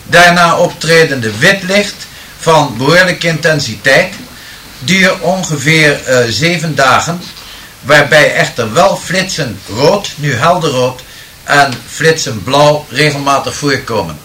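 Man, slightly high voice, very slow and measured delivery with hesitant fillers, lecturing to an audience and reciting verse. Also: animated, bright, forceful tone, slight background noise. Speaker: speaker answering audience questions. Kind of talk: deliberate lecture and improvised rhyming verse.

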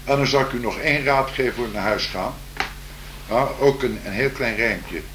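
A man giving a spiritual address with improvised verse, in a measured, solemn, declamatory manner. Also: medium pitch, bright, forceful tone, a little hiss or hum, low-quality recording. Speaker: spiritual speaker.

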